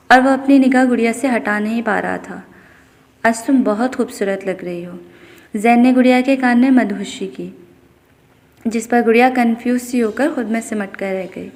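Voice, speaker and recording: A woman narrating a romance novel in a steady storytelling manner. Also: fairly high pitch, big-room sound. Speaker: audiobook narrator.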